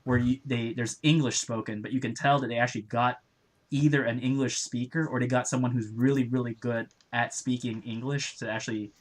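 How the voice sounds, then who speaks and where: A man's voice: mid-range voice, fairly even intonation, a little fast. Rambling man full of filler words. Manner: rambling, many filler likes. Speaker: podcast co-host. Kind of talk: casual chat.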